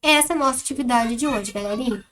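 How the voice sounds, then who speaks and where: A woman teacher with a Brazilian Portuguese accent, giving a children's lesson and reading aloud with exaggerated, expressive intonation. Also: a little high, fast talker. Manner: animated, exaggerates exclamations and questions for children. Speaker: primary school teacher.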